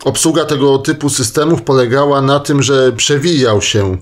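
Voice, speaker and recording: A man's voice: mid-range voice, normal speed. A man delivering a semi-improvised popular-science column for radio, discursive and hedging, with frequent tag questions.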